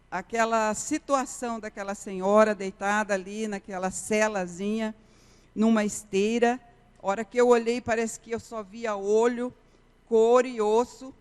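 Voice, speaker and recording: This woman, a missionary preacher, delivers an earnest sermon testimony in a reverberant church sanctuary, returning often to key phrases. Her voice is fairly high yet darkish, with a clear, resonant tone.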